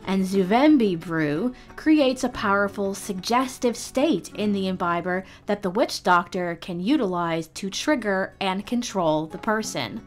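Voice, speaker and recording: A woman narrates a scripted explainer as a guide host. Her pitch sits in the middle range for a woman, and her delivery is measured and articulate. Music plays faintly behind her. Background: background music.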